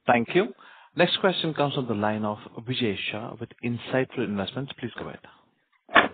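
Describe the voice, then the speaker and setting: A man's voice: mid-range voice, animated, moderate pace, a little hiss or hum. A man acting as conference call operator, formally announcing the next callers. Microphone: phone conference call. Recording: tinny narrowband phone line.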